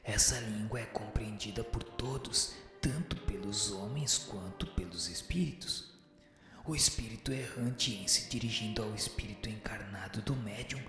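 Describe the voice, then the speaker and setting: Music plays behind an actor reading a scripted radio drama as a grave, scholarly spirit whose breathy mid-range voice offers formal, measured lessons. Everything passes through heavy echo and a long, cavernous reverb.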